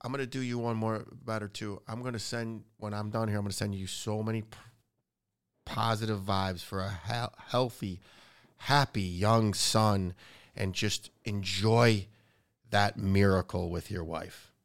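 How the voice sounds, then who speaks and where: A deep-voiced man hosting a podcast, an eager, effusive talker in casual chat. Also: fairly even intonation, a little slow, smooth. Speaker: podcast host.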